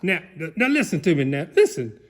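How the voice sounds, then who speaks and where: A man voicing a folksy, excitable country alligator, giving a theatrical comic storybook reading. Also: high-pitched, a little fast. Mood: hammy, excited. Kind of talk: dramatic storybook reading, played for comedy.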